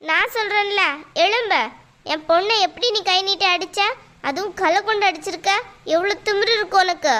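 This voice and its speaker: A woman's voice: very high voice, fairly quick, pushed and bright. A woman voicing a quarrelsome, pushy mother in a cartoon, talking in a bossy, demanding way. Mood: angry. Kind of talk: cartoon voice acting.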